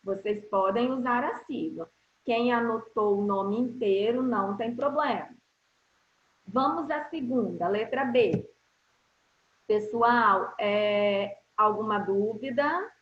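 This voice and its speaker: Speaking with a Brazilian Portuguese accent, a woman gives an online grammar lesson to kids in a fairly high voice. She explains at a very slow, careful pace and frequently checks that everyone is keeping up. Her sound is somewhat dull and roomy, the way a video call comes across.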